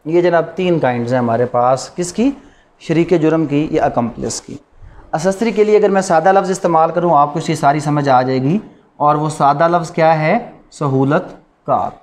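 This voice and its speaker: A man's voice: on the high side, moderate pace. A man with a Pakistani accent giving a classroom lecture, didactic, repeating points and posing rhetorical questions. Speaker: law lecturer. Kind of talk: classroom lecture mixing Urdu with English legal terms.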